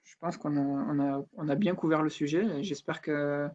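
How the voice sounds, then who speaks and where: A research scientist answers an interviewer's questions in a fairly high, level voice, often pausing on fillers. The recording is dull and lo-fi. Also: male voice, fairly even intonation, darkish tone, a little hiss or hum. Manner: hesitant, many fillers. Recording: dull lo-fi sound.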